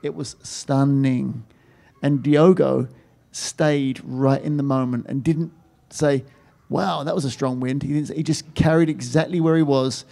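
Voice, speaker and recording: A man with a mellow, warm voice of middling pitch answers a panel question. He speaks emphatically, building his story to a point. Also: steady tone, measured pace, vocal fry. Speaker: film producer.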